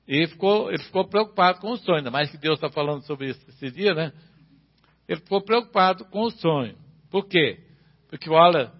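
A man's voice: high voice, breathy edge, lo-fi sound. A man preaching a sermon as pastor, asking his listeners the same questions again and again. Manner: preaching with repeated rhetorical questions.

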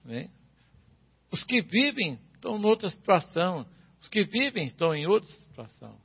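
High husky male preacher. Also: sing-song, normal speed, lo-fi sound. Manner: preaching with repeated rhetorical questions. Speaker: pastor. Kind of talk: sermon.

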